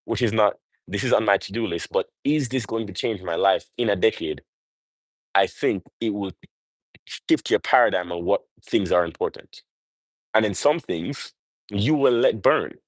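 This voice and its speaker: A man with a low voice hosts a motivational livestream, speaking emphatically and off the cuff while often tossing out rhetorical questions to check for agreement. The recording is dry.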